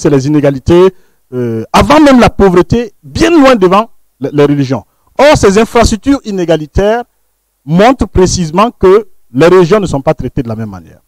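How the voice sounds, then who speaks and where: High-voiced man, emphatic lecturer. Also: darkish tone, dry recording. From Burkina Faso. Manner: emphatic, lecturing, with frequent word repeats and phrase ends that drop low. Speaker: panelist, researcher. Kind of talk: analytical panel talk.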